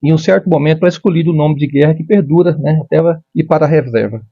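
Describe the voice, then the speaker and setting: A retired military police major from Brazil, a man in his fifties, is a guest in a conversational interview, speaking in a measured, formal manner with many restarts. His voice is on the high side and husky. The recording is dry and muffled.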